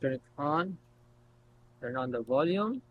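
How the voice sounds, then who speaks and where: Male product reviewer, casual and unscripted, halting instructional delivery, noisy home-style recording with hum. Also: fairly high pitch, expressive, phone-quality sound. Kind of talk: casual unscripted gadget demonstration. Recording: noticeable background noise and hum.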